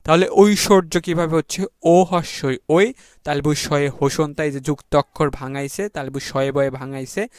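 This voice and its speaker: A man from Bangladesh teaching an exam revision lesson, spelling words out slowly letter by letter and drawing out the key words. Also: on the high side, steady tone, a little mellow.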